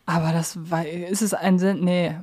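A woman's voice: fairly low pitch, steady tone, normal speed, darkish tone. A woman co-hosting a playful fan quiz, talking casually. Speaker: podcast co-host and radio play fan. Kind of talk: playful quiz chat between fans.

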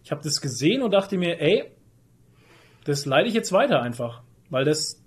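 A man's voice: on the high side, big pitch swings, moderate pace. A man co-hosting a casual podcast, explaining things and correcting himself as he goes. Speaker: podcast co-host.

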